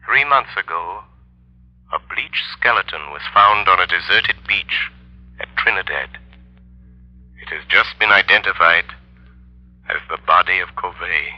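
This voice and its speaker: The Shadow, calm and low. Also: male voice. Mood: calm, assured. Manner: calm, measured, authoritative. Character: the Shadow, a calm, all-knowing male detective. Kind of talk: 1930s radio drama. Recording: muffled old radio recording.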